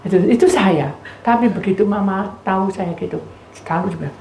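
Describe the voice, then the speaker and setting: A woman's voice: mid-range voice, brisk, creaky, slight background noise. A woman pastor with an East Javanese accent preaching a sermon, telling stories and often addressing the congregation directly. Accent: East Javanese Indonesian. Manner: animated storytelling, addresses listeners as "saudara". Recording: roomy echo with faint ambience.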